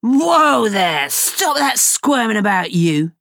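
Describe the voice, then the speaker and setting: A woman voicing a crude, gruff male pirate sailor with rough, ungrammatical talk. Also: fairly high pitch, big pitch swings, takes it slowly, fairly bright tone, no echo, clean studio sound, pitched above the performer's own voice, heavily acted.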